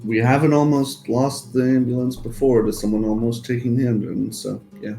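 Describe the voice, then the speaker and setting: A man's voice: medium pitch, steady tone, normal speed, gravelly, warm tone, faint music behind. A man playing a tabletop role-playing game, speaking casually and somewhat hesitantly. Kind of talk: casual in-character game chat.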